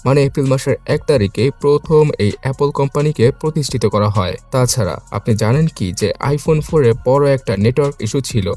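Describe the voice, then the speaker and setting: A man's voice: mid-range voice, warm tone. A man presenting a scripted tech explainer, speaking to viewers in an explanatory way and mixing in English terms. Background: background music.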